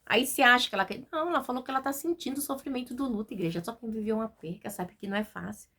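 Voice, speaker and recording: A woman with a Brazilian Portuguese accent giving an informal devotional Bible talk, chatty, with many fillers and tag questions, and reading verses slowly. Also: fairly high pitch, pushed and bright. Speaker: Bible teacher.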